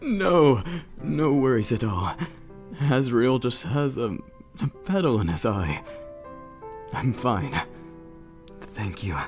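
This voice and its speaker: A man voicing a sentimental goat-monster king in a comic dub, soft-spoken, courtly and wistful. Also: mid-range voice, very animated, slow, over music. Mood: defensive, tearful. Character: gentle, sentimental adult goat-monster king reminiscing fondly. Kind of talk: comic dub character acting.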